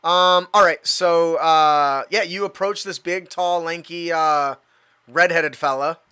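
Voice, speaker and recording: A man narrating a tabletop superhero game as game master, rambling with many pauses. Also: a little high, steady tone, bright, forceful tone, clean tone, no room sound. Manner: rambling, lots of ums and uhs.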